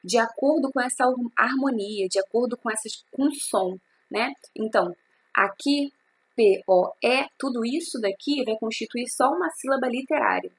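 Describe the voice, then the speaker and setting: A woman's voice: fairly high pitch, moderate pace, husky. A woman, teaching a recorded literature class and explaining step by step, asking and answering her own questions.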